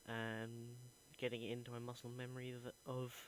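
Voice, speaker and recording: A man's voice: medium pitch, completely flat delivery, brisk, a little hiss or hum, low-quality recording. A young man, an acting student, earnestly recording a reflective voice diary and thinking aloud as he goes.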